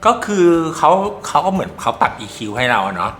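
A man's voice: mid-range voice, sing-song, fast, a bit bright. A man reviewing earbuds in a casual, rambling way, groping for words and swearing now and then. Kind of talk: casual tech review talk.

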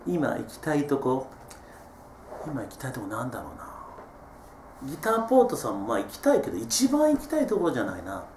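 A middle-aged man, hosting a casual solo radio-style chat. He reads out listener messages in a relaxed, chatty way, with many drawn-out filler sounds. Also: medium pitch, slight background noise. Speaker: host reading listener messages. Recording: roomy echo.

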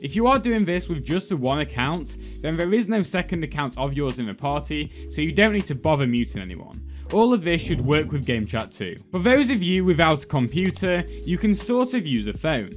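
A young man narrates a scripted how-to guide in a fairly high voice with very animated intonation. He lays out instructions step by step as a video host. Music plays softly behind him. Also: normal speed, hardly any pauses. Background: background music.

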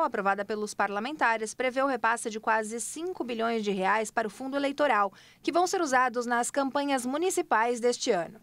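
A woman narrates a news package in a steady, even voice-over. Her voice is a little high and sounds close and dry. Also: no echo.

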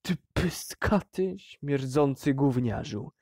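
Man voicing drunk middle-aged miner father, shouting, contemptuous, dry close recording. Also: mid-range voice, steady tone, takes it slowly, clear, resonant tone, no room sound. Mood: drunken rage.

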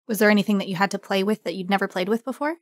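A woman with a mid-pitched voice hosts an interview in a conversational style. She puts questions to guests, and her recording is dry. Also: racing, no echo. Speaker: moderator asking questions.

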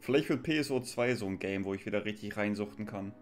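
A German man in his thirties with a lowish voice, casually commenting on a live game stream. He is close to the mic, with some music behind him. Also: fast talker. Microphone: close desk microphone.

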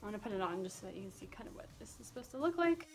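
A woman's voice: mid-range voice, very animated, very fast, music in the background. A young woman chatting casually in a vlog, talking in an easygoing way full of "like" fillers. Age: young adult. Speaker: vlogger.

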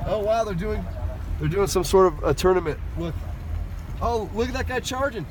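Upbeat guy vlogging on his phone, kinda high voice, car noise behind. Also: normal speed. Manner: excitable, casual, lots of "dude" and "like". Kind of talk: casual vlog narration. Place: in a car and outdoors at a ski resort.

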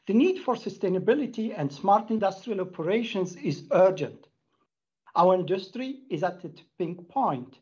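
A man's voice: sits high, a little mellow, husky, dull audio. A middle-aged man giving a prepared corporate presentation as an executive, speaking in an earnest, emphatic way. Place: indoor room, plain wall.

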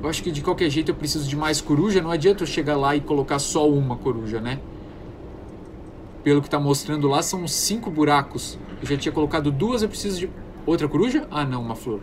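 A man's voice: fairly high pitch, fast talker, noisy background. A man with a Brazilian accent commentating on a horror game, panicky and easily startled. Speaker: gamer.

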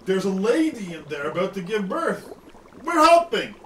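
Male actor: squeaky, eager dimwit henchman, very high, echoey. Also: sing-song, recorded from a distance, noisy background. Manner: eager, fast, naive. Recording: echoey, off-mic.

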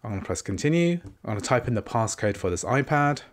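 A man hosting a tech tutorial, calmly walking through each step on a tablet at a desk. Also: mid-range voice, fast talker. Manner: calm, methodical, narrating each tap. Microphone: small handheld gimbal camera.

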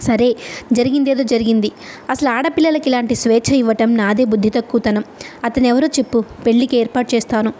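A woman's voice: fairly high pitch, fairly even intonation, a little fast, dark tone, slight background noise, natural voice. A woman reading the lines of a stern, angry middle-aged father in her own voice. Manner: plain read-aloud dialogue.

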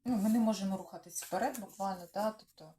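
A woman's voice: mid-range voice, quick pace, dark tone, a little hiss or hum. A woman with a Ukrainian accent doing a casual tarot reading on the news, musing aloud to the cards and her viewers and trailing off mid-thought. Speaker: tarot reader. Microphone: clip-on or desk microphone.

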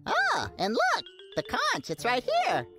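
Cocky boy monkey prince: excitable cartoon delivery, wildly varied pitch, music behind. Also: measured pace, exaggerated voice. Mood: boastful. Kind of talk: children's cartoon acting. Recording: prominent children's music behind voice.

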